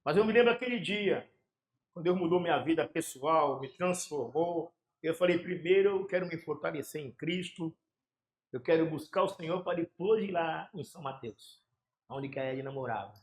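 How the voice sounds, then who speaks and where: A man, a pastor telling his conversion story with fervor, in pauses and restarts. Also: fairly high pitch. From São Paulo area, Brazil. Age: 60s. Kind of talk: emotional conversion testimony in a casual chat. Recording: echoey room.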